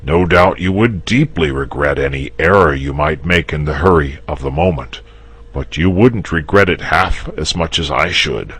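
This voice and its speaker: A man's voice: extremely low pitch, moderate pace, husky, heavily acted. A man voicing a lazy, fussy male dragon in a storybook reading, speaking coyly and a bit testily. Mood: mild. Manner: wavering, testy, gently pleading.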